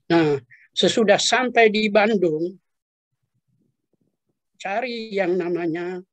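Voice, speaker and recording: Older male interviewee, husky and a touch high-pitched, halting reminiscence full of fillers. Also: no echo. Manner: hesitant, many fillers and trailing asides. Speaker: interviewee, retired professor.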